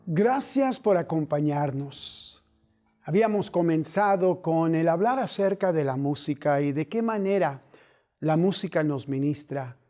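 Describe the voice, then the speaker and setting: A man hosts a Christian television talk program, speaking at an unhurried pace. His voice is mellow and dark. He asks his guest questions gently, pausing and hesitating now and then. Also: a little high. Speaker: talk show host. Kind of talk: Christian TV interview.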